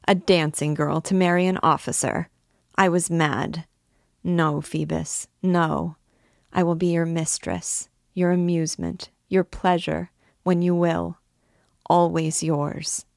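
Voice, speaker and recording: A woman's voice: on the low side, flat delivery, slow, vocal fry, dry recording, studio quality. A woman voicing an impassioned, self-abasing young gypsy dancing girl with imploring, melodramatic devotion in an audiobook. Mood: adoring, desperate. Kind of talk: dramatised audiobook reading of a classic novel.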